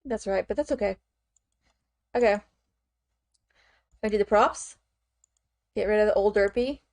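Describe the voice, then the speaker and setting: A woman's voice: medium pitch, moderate pace, darkish tone, no echo. A woman streamer chatting casually as she works, thinking aloud with frequent fillers and "okay"s. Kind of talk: casual chat while working on screen.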